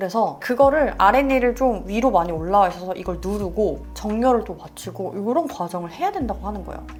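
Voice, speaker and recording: A woman speaks at a fairly quick pace with hardly any pauses and an animated tone. Her loudness swings widely over noticeable background noise. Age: 40s. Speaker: beauty YouTuber. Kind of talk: casual vlog talk to camera. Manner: chatty, animated.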